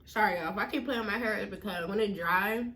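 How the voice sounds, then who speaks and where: A woman from the northern United States hosts a mukbang, chatting casually to viewers in a medium-pitched, fairly bright voice. She talks between and through bites, chewing as she speaks and pausing to eat.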